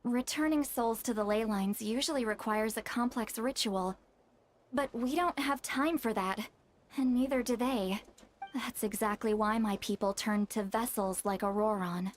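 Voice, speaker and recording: A woman's voice: on the high side, moderate pace, a little hiss or hum, natural voice. A woman playing a blunt, solemn tribal shaman in a video game, explaining with authority over music. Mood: grave. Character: Citlali, blunt, solemn female tribal shaman, knowing and commanding.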